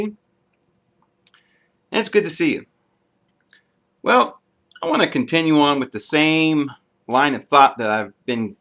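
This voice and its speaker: A man's voice: on the high side, sharp tone. A man giving an unscripted, earnest monologue to camera, with frequent ums and restarts. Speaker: video blogger.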